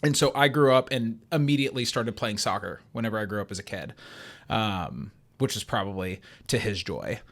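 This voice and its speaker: A man's voice: lowish voice, brisk, fairly bright tone. Easygoing man telling his story. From United States. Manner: easygoing storyteller, hesitant with fillers. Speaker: guest, CrossFit coach and athlete. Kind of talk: casual podcast interview.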